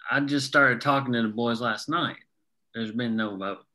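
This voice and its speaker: A blunt, folksy union miner, acted by a man in a historical drama read-through. His voice is forceful and bright, at an ordinary male pitch. He speaks plainly, like a working man. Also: normal speed, close to an everyday voice. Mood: matter-of-fact.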